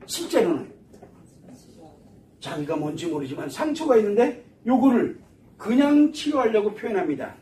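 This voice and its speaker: A man giving a psychology lecture to an audience, animated and full of rhetorical questions. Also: sits high, a little hiss or hum. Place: lecture hall. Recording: echoey room from far off.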